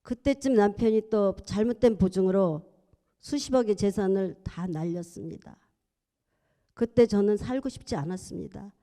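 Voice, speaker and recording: A woman's voice: mid-range voice, normal speed, mellow. A middle-aged woman, a church deaconess, giving a heartfelt testimony in a church sanctuary, earnest and at times fervent.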